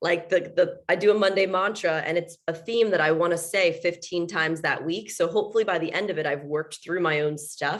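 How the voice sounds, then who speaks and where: A woman with an American accent, a plain, everyday voice, speaks at a fairly low pitch and a fairly quick pace with hardly any pauses and fairly even intonation. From US East Coast (New Jersey). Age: 30s. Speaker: yoga teacher and author. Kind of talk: podcast interview.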